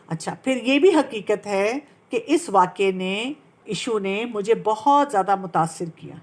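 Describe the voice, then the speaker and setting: A woman, a pediatrician and parenting coach, gently explaining how to heal from trauma and slipping English terms into her speech. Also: on the high side. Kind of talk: Islamic-based talk on healing from trauma.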